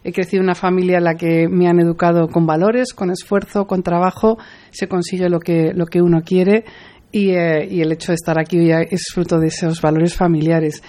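A woman's voice: lowish voice, little pitch movement, a little fast, dark tone. A woman in her forties from Madrid, answering interview questions earnestly with frequent hesitations and restarts. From Madrid, Spain. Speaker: guest, pharmaceutical executive. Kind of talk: interview conversation.

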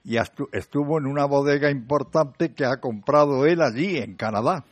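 A man with an accent from Spain hosting live radio chat, halting and insistent, often repeating himself. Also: mid-range voice, dry recording. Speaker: radio show host.

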